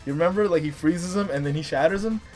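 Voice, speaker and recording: A man in his thirties hosting a casual, chatty video countdown, talking in an animated, emphatic way with playful hype. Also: a little high, fast talker, soft background music. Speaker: host of a top three video series.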